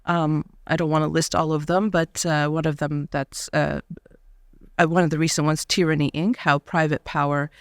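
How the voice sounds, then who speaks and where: Woman podcast host, smooth resonant voice, measured delivery with fillers, dry studio sound. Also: low voice, flat delivery, no echo. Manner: measured, with frequent fillers and soft laughs. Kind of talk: podcast interview. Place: university studio.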